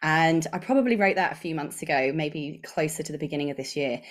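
A woman's voice: low-pitched, fast. An enthusiastic woman in her thirties with an English accent, chatting as a guest on a podcast over a video call from her home office. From England. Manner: bubbly, enthusiastic, gestures a lot. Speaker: guest, course creator. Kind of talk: casual podcast interview. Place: home office with bookshelves, indoors.

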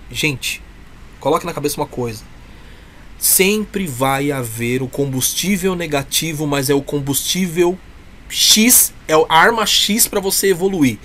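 A man's voice: fairly high pitch, a bit bright. A man with a Brazilian Portuguese accent speaking earnestly and emphatically as an interview guest, in a heartfelt, encouraging way. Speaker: interview guest, clown performer from a humour troupe. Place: small room with a curtain backdrop. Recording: noisy webcam call audio.

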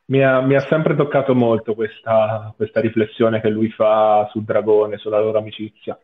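A man's voice: on the low side, little pitch movement, moderate pace. A man giving casual live commentary as a panelist on an anime watch-along, often repeating phrases for emphasis. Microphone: video call. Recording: muffled narrow-band video call audio.

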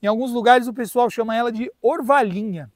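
A man's voice: very high-pitched, fairly quick, no room sound. A man with a Brazilian Portuguese accent chatting playfully in a casual vlog, recorded outdoors in a garden by a pool on a phone's built-in mic. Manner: chatty and playful, mispronounces words on purpose. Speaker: carnivorous plant grower and channel host. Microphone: phone built-in mic, no external mic.

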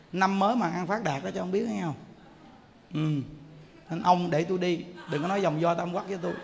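Stubborn blunt wife, put on by a male preacher, highish voice, long hall reverb. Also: creaky, slight background noise. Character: stubborn middle-aged wife leaving for temple.

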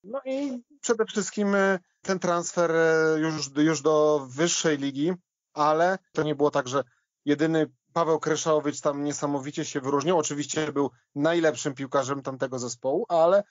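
A man with a somewhat high voice discusses sport off the cuff. He is hesitant, with many fillers. The sound is dry and a little muffled. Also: normal speed, dry recording. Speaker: podcast panellist.

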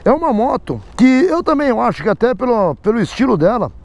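Brazilian guy vlogging outside in the rain, chatty, lots of "né", kinda high voice. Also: sing-song, brisk, no echo. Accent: Brazilian Portuguese. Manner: chatty, repeats "né?" and "pessoal". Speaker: motorcycle vlogger. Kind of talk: casual vlog talk to viewers. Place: outdoors in light rain.

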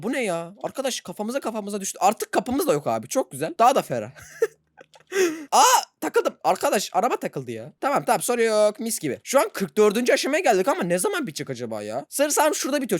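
A man hosting a gaming channel, giving excitable let's-play commentary, laughing often and yelping when surprised. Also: high-pitched, dry recording, studio quality.

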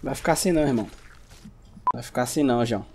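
A man from Brazil talks his way through a survival game in a relaxed, mid-range voice, thinking aloud and teasing the enemies. Now and then he shouts in surprise. Faint typing and room ambience sit behind him. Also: mid-range voice, rapid-fire, a little hiss or hum. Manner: chatty, talks to himself and the audience, bursts into shouts at scares. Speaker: gameplay streamer. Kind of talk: casual gameplay commentary.

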